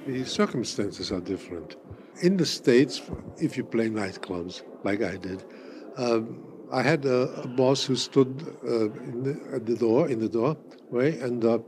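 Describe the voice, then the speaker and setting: A man of eighty whose first language is German, answering interview questions in a measured, wry way with frequent fillers and restarts. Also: medium pitch, darkish tone, a little hiss or hum. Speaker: interviewee, cabaret artist.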